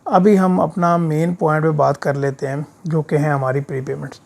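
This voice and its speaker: A man with a sore throat giving an informal step-by-step software tutorial, often checking that the learner follows with short tag questions. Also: a little high, level tone, normal speed, creaky. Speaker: instructor of an accounting software course. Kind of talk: screen-share tutorial, informal explaining. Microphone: voice-over of a screen recording.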